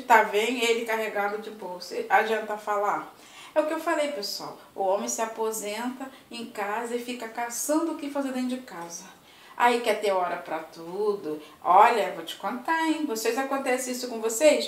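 A woman's voice: on the high side, far from the mic. An older woman with a Brazilian accent, chatting tenderly and casually at home as a vlog host. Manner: chatty, tender, full of diminutives. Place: home, indoors. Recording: roomy echo.

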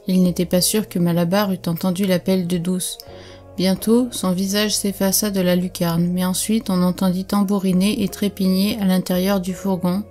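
A woman narrating an audiobook in a measured, even reading. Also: medium pitch. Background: faint music.

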